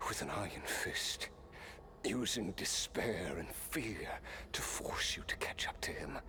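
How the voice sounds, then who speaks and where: An actor playing a grave, tormented immortal warrior in a fantasy video game, speaking in a measured, formal, dramatic way. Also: male voice, deep voice, background noise. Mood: grave, somber. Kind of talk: scripted video game voice acting.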